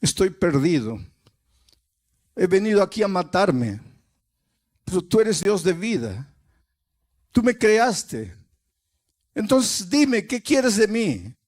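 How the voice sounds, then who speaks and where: A man's voice: on the high side, takes it slowly, a little mellow. A man voicing a desperate, ruined man who cries out to God in anguished pleading.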